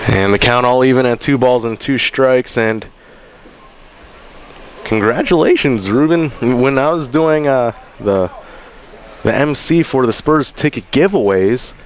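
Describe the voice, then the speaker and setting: A man's voice: medium pitch, a little slow. Male color commentator, rambling and jokey, light crowd hum. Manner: chatty, joking, rambling with restarts. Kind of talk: sports commentary and banter.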